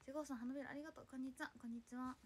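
A woman's voice: high voice, fairly even intonation, rapid-fire, darkish tone, slight background noise. A young woman, chatting casually on a solo livestream, flustered as she reads and answers viewer comments. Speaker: idol livestreamer.

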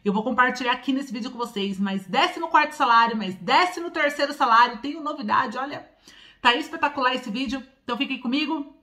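A woman's voice: high voice, fairly quick, sharp tone. A woman in her forties with a São Paulo accent, hosting a news vlog straight to camera from a small room at home, drawing out key words with emphasis. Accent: Paulista Portuguese with rolled R. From São Paulo, Brazil. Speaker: channel host.

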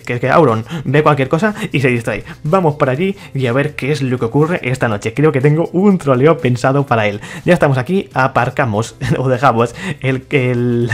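A young man from giving casual, playful commentary over gameplay, laughing often and reading other players' chat aloud. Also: medium pitch. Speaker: gaming YouTuber.

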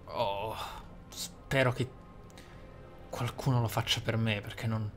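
A man's voice: on the low side, fairly even intonation, takes it slowly, fairly bright tone, soft background music. A man giving reflective, emphatic let's play commentary as a gaming host.

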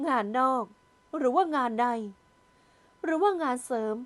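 A woman voicing a hurt, stubborn young woman in an audio novel who stays polite but turns sharp and sulky. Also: high-pitched, lively intonation, unhurried.

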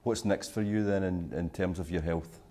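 A man interviews a guest for club television. His voice is low and mellow, and he puts his questions warmly and directly. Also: steady tone, moderate pace.

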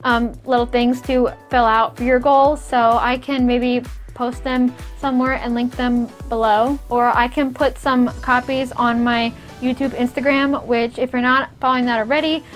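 Young female YouTuber, high voice, rambling and giggly, light stutter, faint music bed. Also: flat delivery, normal speed, few pauses. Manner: rambling, many "like" and "kind of" fillers, giggly; stutters at times. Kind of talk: casual vlog advice.

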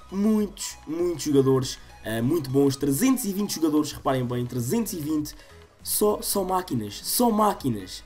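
Congested young Portuguese gamer, higher-pitched voice. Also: male voice, a little mellow. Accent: European Portuguese. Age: 20s. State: slightly congested from a cold. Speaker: gaming YouTuber. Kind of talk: excitable gaming commentary to viewers. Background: game music.

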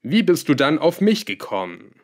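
A man voicing a scheming male villain in an audiobook, calm, smug and lightly scornful. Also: a little high, normal speed, pitched above the performer's own voice. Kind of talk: audiobook character voice.

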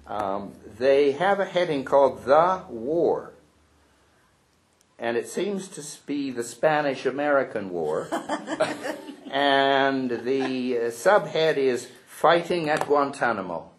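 A man's voice: mid-range voice, big pitch swings, slow. A man at a panel talking through an old newspaper spread, with dry, wry asides and a few hesitant restarts. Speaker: panel speaker. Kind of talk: commenting on a historical newspaper spread.

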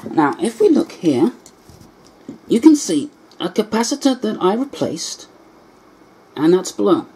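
A woman's voice: mid-range voice, very animated, unhurried, warm tone, husky, rough recording. A woman narrating a hands-on repair in an explanatory, step-by-step manner, as a vlogger. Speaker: vlogger repairing vintage electronics. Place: indoor home workshop.

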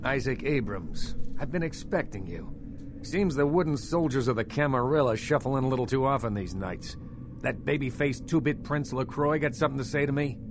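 An actor playing a middle-aged American vampire baron in a video game, formal and measured with a wary edge of menace. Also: male voice, mid-range voice, expressive, noisy background, natural voice. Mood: disdainful. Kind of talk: scripted game dialogue.

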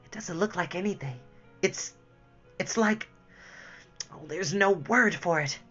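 Frightened wisp spirit done by a reader, high and breathless, dull lo-fi audiobook with soft music. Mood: distressed. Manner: anxious, breathless, rushing. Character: frightened fluttering will-o'-the-wisp spirit, male.

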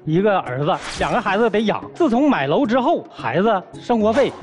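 A middle-aged man, telling his side in a lively, complaining, colloquial way. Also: high voice, brisk, faint music behind. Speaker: guest husband. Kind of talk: animated storytelling complaint.

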